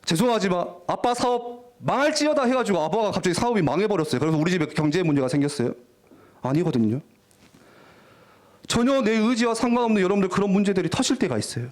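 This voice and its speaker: A young man preaching a lively, jokey youth sermon in a church, often acting out teenagers' voices. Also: sits high, fast talker. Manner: animated, jokey, acts out teen voices. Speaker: youth pastor. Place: church worship hall.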